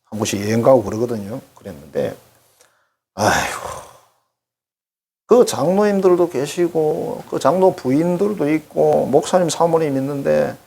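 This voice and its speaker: A pastor speaks in a mid-range voice that is creaky with a breathy edge, giving a conversational sermon. He's animated, talks right to the congregation, and voices the people he quotes.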